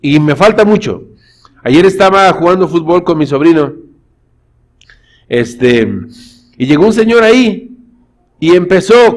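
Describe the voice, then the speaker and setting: Man, pastor, high voice, sermon, storytelling. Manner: storytelling, addresses congregation as brothers. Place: church.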